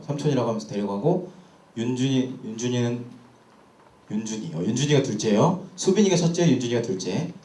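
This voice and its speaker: A young pastor with a medium-pitched, dark-toned voice tells a personal story during a sermon, candid and self-questioning. The recording carries the echo of a church hall.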